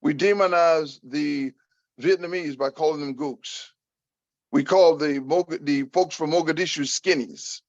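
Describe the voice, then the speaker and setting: An older American man answering an audience member at a talk, speaking deliberately and repeating phrases for emphasis. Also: fairly high pitch, dry recording, muffled recording.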